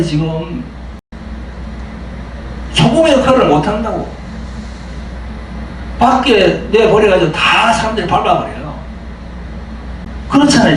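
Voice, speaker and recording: A man preaching a sermon as a pastor, emphatic and full of rhetorical questions, swinging between loud and soft. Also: sits high, very echoey, far from the mic, slight background noise, rough recording.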